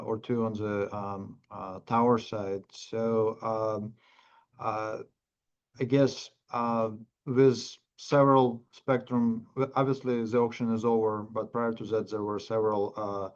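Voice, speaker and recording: A man asking questions as a financial analyst on an earnings call, speaking haltingly with stammered repeats, over lo-fi audio. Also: lowish voice, a little mellow.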